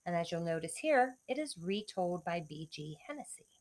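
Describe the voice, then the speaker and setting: Female schoolteacher storyteller, lively melodic range, expressive read-aloud delivery aimed at young kids. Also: fairly low pitch, moderate pace. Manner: expressive, clearly addressing children. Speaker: elementary school teacher reading to pupils.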